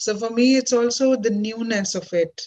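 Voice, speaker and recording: A woman speaks at a moderate pace in a somewhat breathy voice. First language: not English. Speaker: artist and poet. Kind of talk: casual chat.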